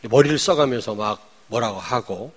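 At medium pitch and a moderate pace, a pastor delivers his sermon, alternating between booming pronouncements and quiet, conversational asides. Rhetorical questions to the congregation come up again and again.

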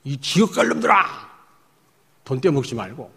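A man mimicking a harsh, yelling sect leader. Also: a little high, big pitch swings, moderate pace, gravelly, slightly rough, big-room sound, heavily acted. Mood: scolding. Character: scolding male sect leader berating followers.

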